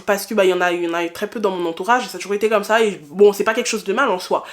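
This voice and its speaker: A woman's voice: medium pitch, steady tone, racing. A woman, talking casually and candidly to her viewers in a reflective personal vlog, repeating phrases for emphasis. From France. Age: 20s. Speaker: vlogger.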